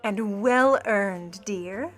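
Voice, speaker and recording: A woman's voice: mid-range voice, very slow, a bit bright, soft background music. A woman playing a cool, sly, condescending Hollywood starlet and jewel thief with syrupy politeness in a noir radio play. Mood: gushing, barbed.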